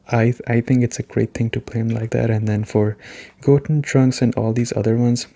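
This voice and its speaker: A soft-spoken man hosting a gaming review as a gentle, unhurried, casual ASMR chat. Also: medium pitch. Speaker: gaming reviewer and video host.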